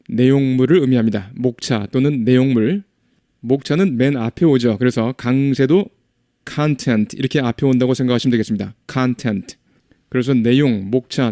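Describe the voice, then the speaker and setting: Mellow-voiced man teaching vocabulary. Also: medium pitch, dry recording, studio quality. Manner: reads example sentences slowly, then explains each meaning. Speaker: English teacher. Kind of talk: vocabulary lesson.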